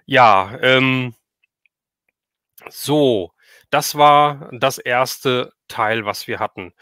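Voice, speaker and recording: A man's voice: mid-range voice, extremely slow, bright, forceful tone, dry recording, clean studio sound. A middle-aged man, chatting casually and reminiscing as he hosts a livestream. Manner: reminiscing, conversational. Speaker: livestream host. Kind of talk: casual chat.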